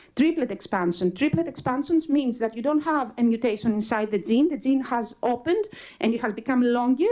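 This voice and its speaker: A woman's dark, mellow voice in a Greek accent, fairly quick, with lively intonation. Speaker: clinical geneticist. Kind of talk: conference talk. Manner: fast.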